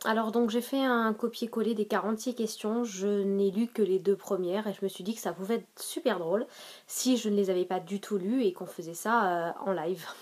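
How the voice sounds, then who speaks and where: A woman at medium pitch and moderate pace, with ordinary pitch variation. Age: 20s. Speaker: beauty vlogger. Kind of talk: casual vlog chat. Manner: chatty, hesitant with many fillers.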